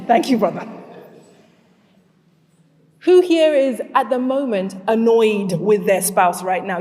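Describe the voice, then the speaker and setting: Her voice sits in the mid range with a somewhat dark tone as she tells a personal story to a live audience in a large hall. She is in her forties, grew up in Zimbabwe, and opens her community-event talk by asking the crowd questions. The hall's long reverb is clearly audible.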